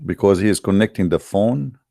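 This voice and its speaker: Deep-voiced, gravelly Arab-accented man hosting. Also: fairly quick, dark tone. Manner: joking, sarcastic, teasing. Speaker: host of a live debate broadcast. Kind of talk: casual rambling live-stream talk.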